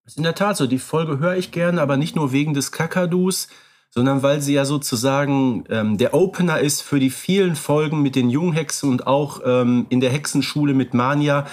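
A man co-hosting a podcast, talking in a relaxed way and thinking aloud with fillers. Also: on the high side, moderate pace. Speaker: podcast co-host. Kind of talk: casual podcast discussion.

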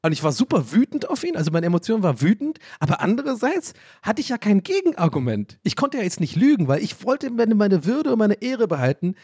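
A man from a German village, telling a story in a casual monologue, animated, self-mocking and rambling. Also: high-pitched, brisk, hardly any pauses, slightly rough, no room sound, clean studio sound.

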